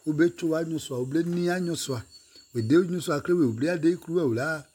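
A man's voice: a little high, moderate pace, warm tone, breathy edge. A man singing or chanting in a repetitive way, returning again and again to short refrains. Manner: repeats short refrains over and over.

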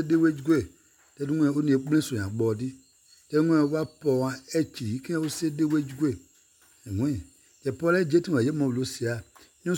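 A man with a husky, slightly breathy voice sings in a chant-like way, looping the same short phrases over and over. His pitch sits in an ordinary middle range for a man. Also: a little mellow. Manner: repeats short refrains over and over.

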